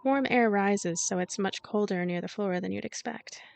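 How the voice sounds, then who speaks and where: A woman hosting a let's play, reading a visual novel aloud as expressive narration with casual commentary. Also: medium pitch, moderate pace, creaky.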